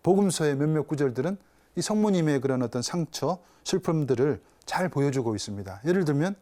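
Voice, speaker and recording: A man's voice: mid-range voice, warm tone. A man, a Catholic priest, giving a televised spiritual talk, telling a story and asking his listeners rhetorical questions.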